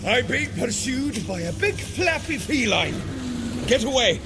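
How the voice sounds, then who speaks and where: An actor playing a hearty, boisterous warrior god with bombastic, old-fashioned speech in a fantasy audio drama. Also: male voice, extremely high pitch, sing-song, background noise, heavily acted. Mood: urgent, defiant. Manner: bombastic, archaic, deliberate.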